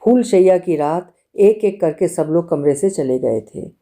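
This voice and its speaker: Woman, audiobook narrator, low voice, very dark mellow tone, measured expressive storytelling.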